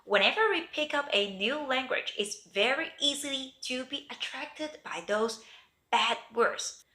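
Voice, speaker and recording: A woman teaching a bilingual language lesson, speaking slowly and clearly and repeating each example phrase. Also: sits high, lively intonation, bright, forceful tone, roomy sound.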